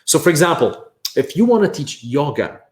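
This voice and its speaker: The speaker, a man from Poland whose first language is Polish, energetically runs an online workshop on making courses, repeatedly saying "bam" and checking in with "right?". His voice is on the high side at a normal speed, and the room echoes.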